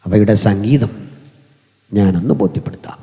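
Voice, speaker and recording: A man with a Malayali accent preaching a sermon in a large hall, speaking into a mic through an amplifier, conversational and humorous with sudden high-pitched climbs. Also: moderate pace, vocal fry, mellow. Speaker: pastor. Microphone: hand or stand mic through an amplifier. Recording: long hall reverb.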